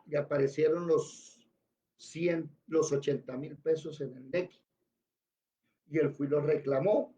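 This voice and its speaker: A man's voice: fairly high pitch, darkish tone. A man with a Colombian accent, a Bible teacher telling a story in an informal lesson and often checking in with his listeners. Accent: Colombian Spanish.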